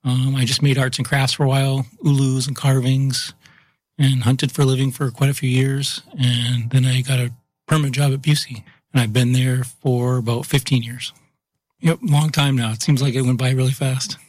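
A man's voice: medium pitch, flat delivery, normal speed, poor audio. A plainspoken man answers interview questions about the pipes and water system he runs. He talks in an easygoing way and often ends his thoughts with a loose "so" or "yep". His voice sits in a middling range. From Massachusetts, US. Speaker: utilities chief of operations. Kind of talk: casual interview.

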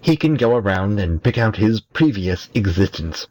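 A man voicing a tiny, lively male imp who teases and mocks, with a husky voice. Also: on the low side, normal speed. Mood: mocking. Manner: teasing, mocking.

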